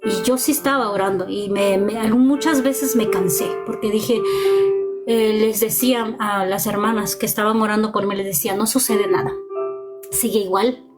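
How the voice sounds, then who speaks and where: A woman's voice: mid-range voice, fairly even intonation, moderate pace, over loud music. A woman preaching a personal testimony in an impassioned, repetitive style, speaking straight to her listeners. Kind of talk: testimony sermon.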